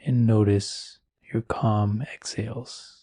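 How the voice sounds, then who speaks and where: A man leading a guided meditation in a calm, soothing, unhurried manner, leaving long pauses between phrases. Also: fairly low pitch, husky, no room sound, studio quality. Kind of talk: guided meditation, slow scripted instruction.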